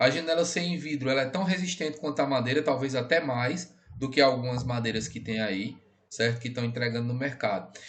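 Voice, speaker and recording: A man's medium-pitched, somewhat breathy voice at a fairly quick pace, with ordinary pitch variation and audible room echo. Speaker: teacher. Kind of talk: lecture.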